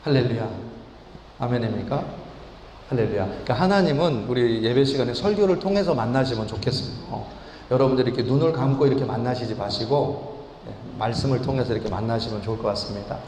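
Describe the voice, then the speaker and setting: A man's voice: fast, a little mellow. Preaching man, echoey church hall. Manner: emphatic preaching, calls of hallelujah to the congregation; acts out God's pleading lines with sudden drops and rises in pitch. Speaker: pastor. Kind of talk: sermon. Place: church sanctuary. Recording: echoey church hall, faint room noise.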